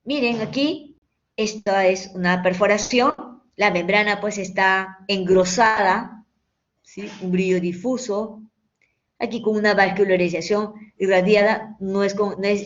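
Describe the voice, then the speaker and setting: A woman giving a medical lecture to students, explaining patiently and often checking in with short questions. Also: mid-range voice. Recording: dull lo-fi recording.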